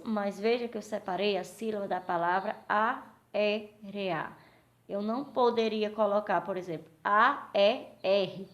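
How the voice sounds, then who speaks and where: A woman teacher with a Brazilian accent gives a recorded lesson for young children, slowly asking questions and answering them herself. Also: mid-range voice. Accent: Brazilian Portuguese. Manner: slow, patient, asks questions and answers them.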